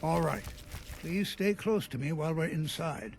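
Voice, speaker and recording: An actor playing a kindly, cautious elderly wizard teacher in a video game, gentle and courteous in manner. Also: male voice, fairly high pitch. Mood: patient, instructive. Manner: gentle, measured, courteous lecturing. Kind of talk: video game character acting. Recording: game audio with clear background noise.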